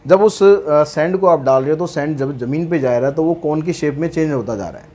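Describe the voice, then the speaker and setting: Here a man with a fairly high, darkish voice explains maths problems step by step in a conversational style, asking questions and then answering them. He takes the English wording of each problem slowly and with deliberate care.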